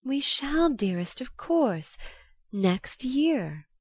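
A woman voicing a composed, dignified young society woman who speaks softly and earnestly. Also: high-pitched, very animated, very slow, slightly rough, no room sound, studio quality, voice pushed up, full character voice. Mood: playful.

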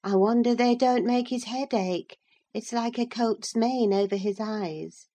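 A woman's voice: a little high, unhurried, mellow, pitched above the performer's own voice. A woman reading an audiobook, voicing a timid, well-bred boy with a whiny, tearful way of talking. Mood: prim. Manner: whiny, sobbing protest.

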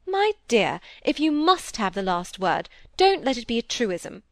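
A woman's voice: on the high side, sing-song, unhurried, no room sound, studio quality. A woman reading aloud, voicing a prim, fussy middle-aged stepmother who scolds in an affected, snobbish way. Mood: airy.

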